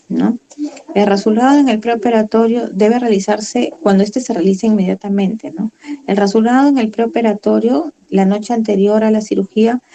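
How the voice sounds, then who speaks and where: A woman's voice: mid-range voice, dark tone, poor audio. A woman giving a medical lecture, reading from slides and then explaining in her own words with fillers and tag questions.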